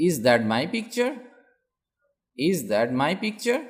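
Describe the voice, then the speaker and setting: A man teaching English, saying a sentence in Bengali and then repeating its English version twice, slowly and clearly. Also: high-pitched, very animated. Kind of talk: slow drilled sentence practice.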